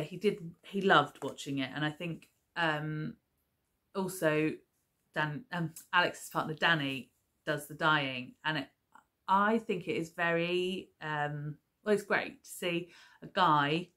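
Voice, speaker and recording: This is a thirty-something woman vlogging about crafts from her sofa at home, recorded by a camera at table distance. She has a low voice with a fairly bright tone, and her casual chat wanders with many ums and restarts.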